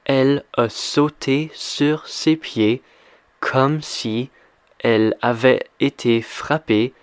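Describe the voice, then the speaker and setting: A man's voice: medium pitch, slow, clean tone, dry recording. A man teaching French, reading a story aloud and quizzing the listener with simple, repeated questions. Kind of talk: slow question-and-answer reading lesson.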